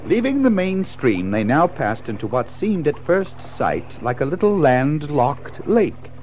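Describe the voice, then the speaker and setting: Expressive male storybook narrator. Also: a little high, measured pace, slight background noise, poor audio. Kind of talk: dramatic children's storybook narration.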